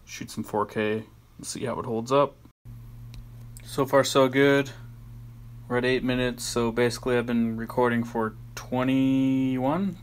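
A little hiss or hum sits under this man's medium-pitched voice as he vlogs at home on a handheld cell phone. The camera vlogger is chatty and offhand, sometimes grumbling mildly.

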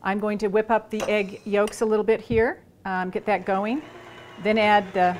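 Slight background noise sits under this medium-pitched female voice at a normal pace. She's a cooking show host in her sixties, relaxed and chatty as she works with her hands during a demonstration in a large home kitchen.

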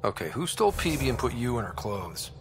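A young space adventurer, steady and teasing. His voice is creaky and expressive in pitch, with deadpan wit. It is game dialogue over prominent music. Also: a little fast. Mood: teasing, supportive. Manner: deadpan, wry. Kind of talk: video game dialogue acting.

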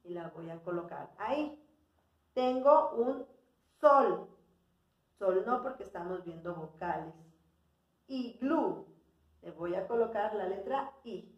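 A woman teaching a preschool class, speaking slowly and clearly and sounding out words for young children. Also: mid-range voice, lively intonation, dull audio. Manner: patient, sounding out words and checking in with "¿sí?". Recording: roomy sound from away from the mic.

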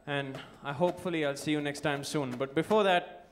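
A man's voice: on the high side, brisk, slight background noise. A male singer-songwriter chatting between songs at a live festival show, effusive and thankful, coaxing the crowd to sing along, his voice worn from singing. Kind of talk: live stage banter with audience. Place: live music festival stage. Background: guitar playing.

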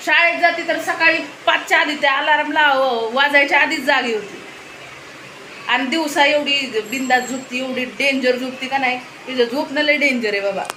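A woman records a casual home vlog, telling a story in an animated, scolding way. Her voice sits high and bright. The room is echoey, with a faint hum of background noise. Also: normal speed. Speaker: vlogger. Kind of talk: casual family vlog chat. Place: home indoors.

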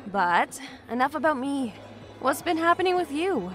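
A woman's voice: sits high, big pitch swings, normal speed, a bit bright. A woman in her twenties playing a reserved, overworked young office worker in an audio drama, with music behind her. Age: 20s. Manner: reserved, defensive, a little awkward.

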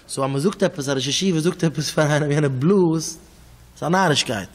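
A man with a Hasidic Yiddish accent preaches a storytelling sermon in a fairly high voice. His delivery swings between soft and loud, and he repeats words as he goes. His voice rings out with a long reverb in a large hall. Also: brisk, a little hiss or hum. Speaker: rabbi giving a talk.

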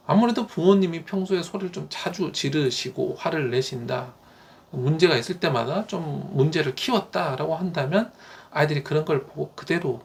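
A man who teaches elementary school gives parents calm, explanatory advice, with frequent "uh" fillers. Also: a little high, creaky.

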